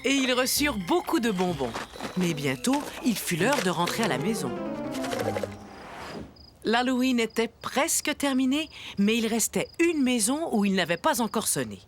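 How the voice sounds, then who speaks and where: A woman storyteller narrating a French children's cartoon, expressive and speaking as if to young listeners. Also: on the high side, moderate pace, over music.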